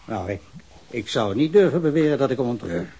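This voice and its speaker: Genial plain-spoken witness, very raspy, mid pitch, conversational, radio play. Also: male voice, animated, fairly quick, mellow. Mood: frank, disdainful. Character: genial beer-drinking male witness, frank, disdains the rich. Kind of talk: Dutch radio drama acting.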